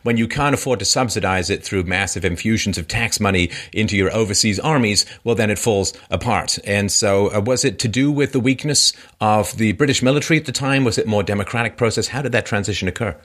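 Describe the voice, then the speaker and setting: Host, man with a lowish voice, rapid delivery, interjecting with questions. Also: a bit bright. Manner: quick and talkative, interjects with questions.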